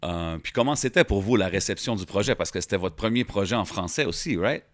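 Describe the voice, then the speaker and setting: A man's voice: fairly low pitch, lively intonation, brisk, no echo, clean studio sound. A man with a Québécois French accent hosting a podcast, laid-back and full of hip-hop slang in both languages. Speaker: podcast host. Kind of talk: casual podcast conversation.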